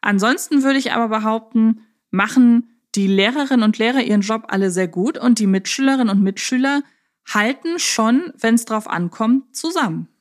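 A woman with a fairly high voice talks casually as a podcast co-host. She speaks in an easy conversational style. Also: normal speed.

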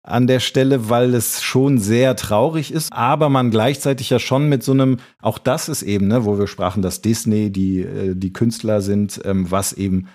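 A man's voice: medium pitch, a little mellow. A man co-hosting a podcast in casual chat, rambling and correcting himself as he talks. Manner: rambling, self-correcting, hesitant. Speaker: podcast co-host.

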